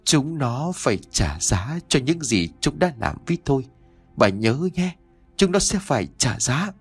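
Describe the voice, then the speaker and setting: A man's voice: on the high side, very animated, normal speed, slightly rough, soft background music, voice pushed up, exaggerated voice. A man voicing the vengeful ghost of a wronged young woman in a horror audio story, in a raised, aggrieved, wailing voice.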